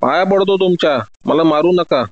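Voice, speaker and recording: A man's voice: on the high side, moderate pace, dry recording, muffled recording, voice pushed up, close to an everyday voice. A man doing a whimpering, terrified suspect. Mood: terrified, pleading. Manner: whimpering, begging. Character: frightened crying male suspect, pleading.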